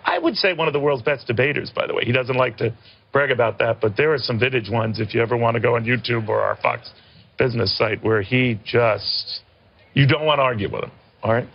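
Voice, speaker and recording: A man hosting a TV news interview, talking briskly with joking asides. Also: mid-range voice, vocal fry, slightly rough. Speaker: TV news host. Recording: dull lo-fi broadcast audio.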